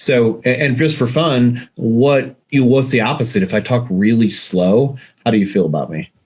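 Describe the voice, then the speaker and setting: Here is a man with an American accent. His pitch is medium, with ordinary variation. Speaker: communication coach and trainer. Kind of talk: webinar discussion. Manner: fast.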